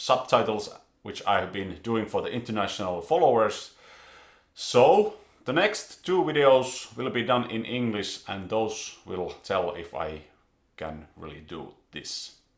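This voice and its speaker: A man's medium-pitched voice with a Finnish accent, vocal fry, big swings in loudness, a fairly slow pace and audible room echo. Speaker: car repair video maker. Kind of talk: vlog tutorial. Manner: halting, hesitant.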